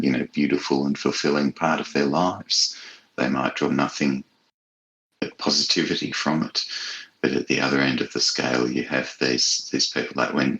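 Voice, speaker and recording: Very deep-voiced, thoughtful man. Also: a bit bright, poor audio. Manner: thoughtful, hesitant, measured. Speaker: author being interviewed. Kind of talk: reflective conversational interview.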